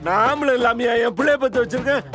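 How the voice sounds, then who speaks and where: A man's voice: very high voice, quick pace, over music. An actor playing a strict, hot-tempered middle-aged father who threatens his daughter's boyfriend and coaxes his crying daughter in a sing-song voice. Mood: scolding. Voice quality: shouting threats, then sing-song coaxing. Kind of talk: comic film acting.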